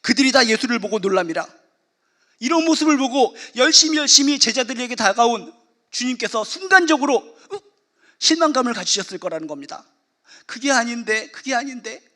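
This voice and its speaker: A man's voice: very high voice, expressive, fairly quick, bright, forceful tone. A male pastor preaching a sermon emphatically, repeating key phrases for effect.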